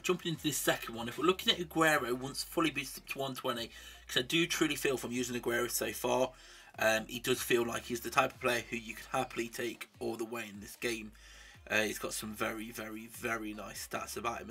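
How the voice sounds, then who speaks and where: A man's voice: mid-range voice, pushed and bright, breathy edge. A young man chatting casually through mobile football gameplay, upbeat, with a blocked nose from a cold. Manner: chatty, upbeat, runs through stats quickly. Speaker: mobile football game YouTuber.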